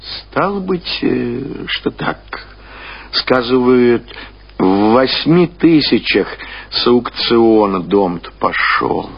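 A male reader plays a timid, servile bailiff from a classic tale. He speaks slowly and haltingly, mumbling evasively in a husky voice. The recording is dull, old radio sound. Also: medium pitch, very animated, heavily acted. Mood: cautious, servile. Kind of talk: dramatic reading of classic literature.

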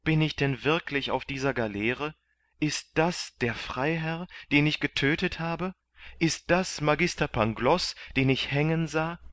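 A man voicing an earnest, excitable young hero who pleads eagerly in a raised voice in a storybook reading. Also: on the low side, a little slow, no echo. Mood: eager, excited.

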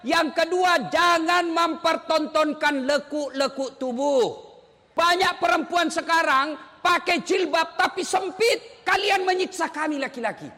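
A man preaching a humorous sermon to women, animated, joking and acting out wives' voices. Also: very high-pitched. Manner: animated, mimics wives, jokes. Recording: reverberant hall sound.

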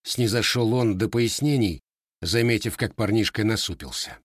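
A man narrating an audiobook in an even, measured reading. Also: fairly low pitch, dry recording, clean studio sound. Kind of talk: scripted narration.

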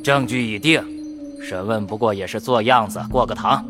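A man's voice: on the low side, normal speed, music in the background, lightly acted. An actor playing an arrogant, cruel male court official who interrogates a prisoner in an audio drama, speaking in a sneering, commanding way. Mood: mocking.

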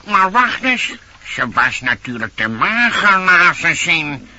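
Sharp-voiced, slow-witted greedy pig. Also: male voice, fairly high pitch, big pitch swings, heavily acted. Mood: reasoning. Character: dim, greedy, curious male pig. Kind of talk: radio play acting. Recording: muffled, noisy old radio play.

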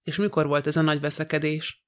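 A man reading the part of a calm, shrewd middle-aged detective in an audiobook, composed and dry. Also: a little high, smooth, close to an everyday voice.

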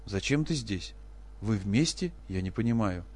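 A man's voice: on the low side, expressive, moderate pace. A man voicing a broken, aging male professor who turns desperate and explosive. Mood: bewildered. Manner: shouting, frantic.

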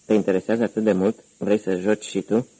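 A man reading the lines of a frightened young woman caught by gangsters, in a low gravelly voice. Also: steady tone, dark tone, low-quality recording. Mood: defiant. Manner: defiant turning to panicked pleading.

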